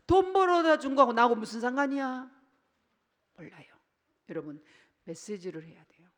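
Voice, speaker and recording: A woman pastor delivering a Sunday sermon, swinging between loud, punchy bursts and hushed asides, and acting out family scenes in quoted voices. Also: sits high, sing-song, normal speed. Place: church sanctuary. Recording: church hall with long reverb.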